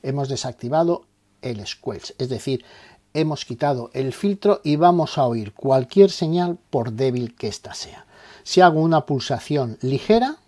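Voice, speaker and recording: Warm in tone and animated yet unhurried, a man with a medium-pitched voice narrates step-by-step instructions over a little hiss or hum. He explains terms didactically and answers the questions he raises.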